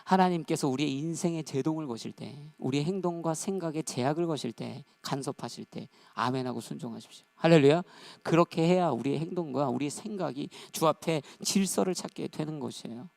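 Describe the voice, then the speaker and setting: A man preaching a sermon as pastor, with a somewhat high, gravelly voice. He is animated and acts out the voices in his stories. The sound is dry and close, with a low mains hum behind it. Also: fairly quick, hardly any pauses, dry recording.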